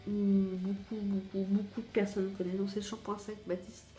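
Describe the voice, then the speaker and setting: A French-accented beauty vlogger unboxes a beauty box, chatting casually but hesitantly and using lots of fillers. Her mid-range voice is mellow and flat at a moderate pace. The room is echoey, with faint music.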